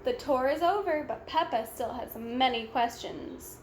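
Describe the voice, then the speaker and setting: A woman with a high voice narrates a children's picture book. She reads slowly and deliberately, in an echoey room with faint noise behind her. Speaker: storybook read-aloud reader. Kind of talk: children's storybook narration, read aloud.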